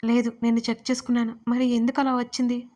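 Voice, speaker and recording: A frightened young woman pleads in a distressed voice in a romance audio story, as a woman narrator voices her. Her pitch sits fairly high. The delivery stays flat, with little melodic movement. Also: fast talker, lightly acted.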